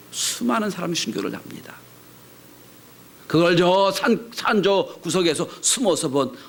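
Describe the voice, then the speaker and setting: A man preaching a Sunday sermon as pastor, swinging between loud cries and hushed, whispered lines. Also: a little high, slightly rough.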